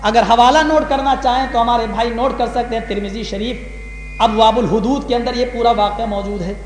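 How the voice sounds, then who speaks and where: High-pitched impassioned male preacher in a hall. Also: fairly even intonation, soft background music. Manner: impassioned, climbs high on key words. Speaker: Islamic preacher. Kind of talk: Urdu sermon with dramatic storytelling. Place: large hall, live gathering. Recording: echoey hall with long reverb.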